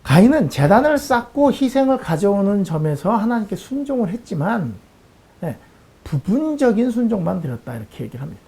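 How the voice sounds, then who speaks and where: Gravelly, animated Korean male pastor. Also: high voice, a little fast. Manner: lively preaching that acts out quoted lines. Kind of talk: Bible lesson sermon.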